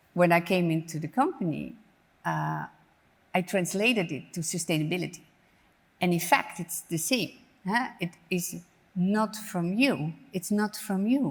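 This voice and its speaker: A woman talks at a fairly slow pace with vocal fry. She leaves long, frequent pauses. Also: ordinary pitch variation. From Netherlands. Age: 50s. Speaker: company CEO. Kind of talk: onstage interview. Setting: theater stage with audience. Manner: halting.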